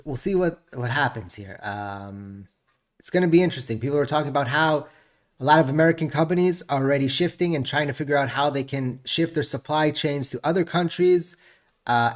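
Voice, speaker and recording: A slightly high-voiced man riffs through crypto and market news in a loose, rambling way, breaking off often to chuckle. His nose is stuffed up, which gives his voice a congested edge. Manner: rambling, chuckling, self-interrupting. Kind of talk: casual market commentary.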